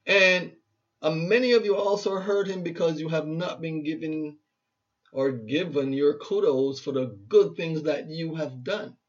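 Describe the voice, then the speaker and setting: A man's voice: on the high side, measured pace. Earnest Barbadian man in his fifties. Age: 50s. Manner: earnest, exhorting, repeats himself for emphasis. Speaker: motivational speaker and radio host. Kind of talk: motivational talk. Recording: muffled lo-fi recording.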